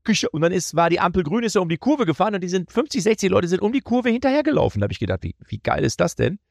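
A middle-aged man telling lively anecdotes in a casual podcast chat, often slipping into mock Italian voices. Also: high voice, rapid-fire, vocal fry, no room sound, clean studio sound. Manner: animated storyteller, slips into mock Italian voices. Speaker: comedian guest.

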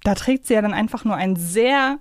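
A woman's voice: medium pitch, animated, fairly quick, no echo. Woman podcast co-host, dry close sound. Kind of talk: casual podcast discussion.

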